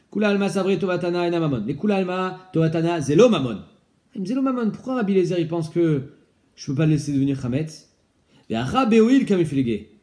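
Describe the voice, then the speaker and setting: Lively man teaching a Talmud lesson. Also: on the high side. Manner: lively, explains by asking questions, mixes in Hebrew and Aramaic terms. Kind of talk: casual Talmud study lesson.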